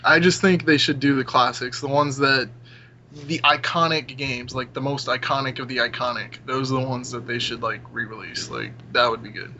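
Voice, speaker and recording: A man's voice: medium pitch, steady tone, moderate pace, bright, forceful tone. A young man in a casual gaming discussion, giving opinions in an emphatic, slangy, informal way. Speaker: podcast panelist. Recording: muffled audio with clear background noise.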